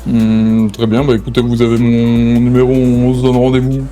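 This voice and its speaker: A man's voice: mid-range voice, monotone, moderate pace, warm tone, faint music behind. A man improvising dialogue in an online game roleplay, speaking in a commanding, slangy and casual way. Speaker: streamer role-playing a gang boss in an online game.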